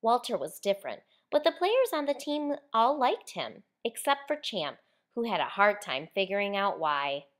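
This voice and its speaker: A woman author reading a children's story aloud in an expressive, clearly enunciated storytelling style. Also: mid-range voice, moderate pace. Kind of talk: expressive children's picture book read-aloud.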